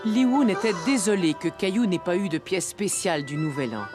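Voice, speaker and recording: A woman's voice: on the low side, very animated, a little fast, over music. A woman performing as a kindly storybook narrator for a French children's cartoon. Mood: storytelling.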